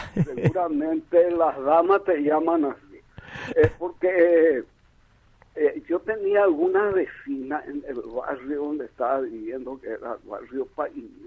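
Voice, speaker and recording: A man with a high voice speaks at a very slow pace. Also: ordinary pitch variation, big swings in loudness. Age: 70s. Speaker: caller. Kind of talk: casual chat. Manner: halting.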